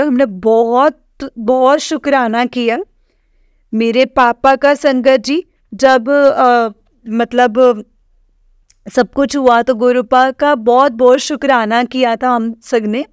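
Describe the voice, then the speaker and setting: A woman sharing a devotional testimony with a congregation, earnest and halting, with many fillers and restarts. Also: a little high, smooth, no room sound, studio quality. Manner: earnest, keeps addressing listeners as "sangat ji".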